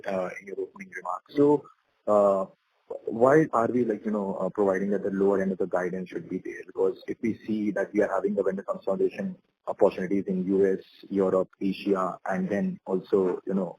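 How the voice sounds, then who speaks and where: A man puts questions on an earnings call as an analyst. His voice is low and a little rough, and the sound is dry, with no room around it. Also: flat delivery, brisk, a little mellow, no room sound, low-quality recording.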